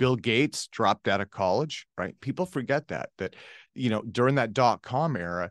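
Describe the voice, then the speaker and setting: Against a quiet background, in a dry, close sound with no echo, a man with an unremarkable speaking voice speaks at medium pitch and a moderate pace. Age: 40s. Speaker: alternative propulsion researcher and conference host. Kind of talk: casual interview.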